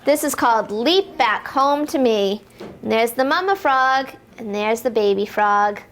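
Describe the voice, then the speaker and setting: A woman reading picture books aloud to young children in an animated, encouraging way, asking them questions and playfully exclaiming the action words. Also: on the high side, a little slow, slight background noise. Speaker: storytime reader for young children.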